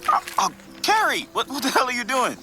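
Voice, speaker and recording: A man's voice: extremely high pitch, big pitch swings, a little fast. Man acting young husband, sarcastic, nerdy, wry delivery, audio drama, music behind. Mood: wry, exasperated. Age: 20s. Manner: wry, teasing, exasperated. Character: Russell, sarcastic comic-book-loving husband in his late twenties. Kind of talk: naturalistic comedic audio drama.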